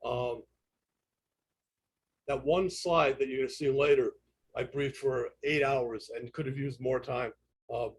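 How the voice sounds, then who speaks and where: Husky Brooklyn man giving a lecture. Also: mid-range voice, fairly even intonation, unhurried, long pauses, rough recording. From United States, New York. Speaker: presenter, instructor in intelligence analysis. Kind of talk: online lecture with slides. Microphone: internet call audio.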